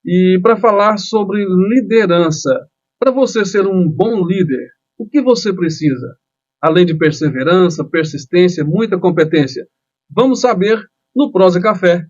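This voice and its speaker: A man's voice: sits high, expressive, normal speed, darkish tone, muffled recording. A man hosting a podcast, upbeat, polite and welcoming toward his guest. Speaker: podcast host.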